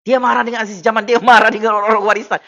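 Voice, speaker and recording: A man with a Sabah Malay accent, ranting and taunting as a livestream political commentator on his own mic, with loud exclamatory bursts. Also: high-pitched, level tone, very fast, creaky, dull audio. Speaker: political commentator streaming to viewers. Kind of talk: mocking livestream rant. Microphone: personal microphone at a desk.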